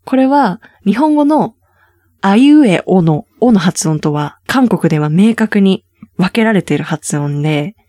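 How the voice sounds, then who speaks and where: A woman's voice: mid-range voice, animated, unhurried, dark tone, no echo, clean studio sound. A woman hosting a casual Korean lesson, explaining patiently and lifting her voice on key words. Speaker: Korean language teacher host. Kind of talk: casual language lesson chat.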